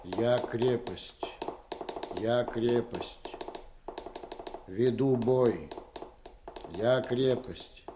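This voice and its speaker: An actor playing a steadfast, solemn army radio operator in a besieged fortress, amid faint noise in a radio drama. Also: male voice, medium pitch. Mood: solemn, insistent. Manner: slow, repetitive call-out, solemn.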